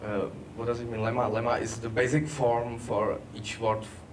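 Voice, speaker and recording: Halting male presenter, distant noisy room. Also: mid-range voice, little pitch movement. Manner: halting, many "uh" fillers. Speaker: workshop presenter. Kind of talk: technical presentation. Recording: distant mic, background noise.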